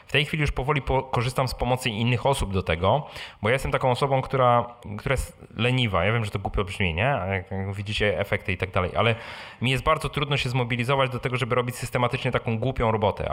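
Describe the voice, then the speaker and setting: A man's voice: mid-range voice, fairly bright tone. A man hosting an informal live question session, explaining things conversationally and often adding short tag questions. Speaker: host answering audience questions, blogger. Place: live event with audience and microphones.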